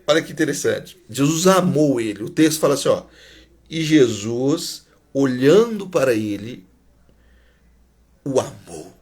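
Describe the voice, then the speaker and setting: A man's voice: medium pitch, lively intonation, measured pace, darkish tone, slightly rough. A man preaching a sermon, stressing points by repeating them and sometimes sinking to a near whisper. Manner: emphatic, repeats key phrases, drops to a near whisper.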